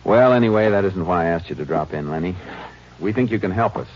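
Shrewd male lawman lead, deep bass, measured folksy delivery, dull vintage radio sound. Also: lively intonation. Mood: calm, pressing. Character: steady, shrewd Texas Ranger lawman, grown man. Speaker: radio drama lead actor and narrator. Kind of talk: 1950s radio western acting and narration. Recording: muffled, noisy old radio recording.

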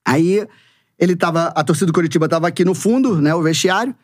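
A Brazilian man with a high-pitched voice tells his story at a brisk pace. He is animated and acts out what other people said. The sound is dry and close to the mic. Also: no echo. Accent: Brazilian Portuguese. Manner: animated, acts out quoted dialogue, frequent "né" and "e tal". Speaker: football coach, podcast guest. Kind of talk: casual storytelling interview.

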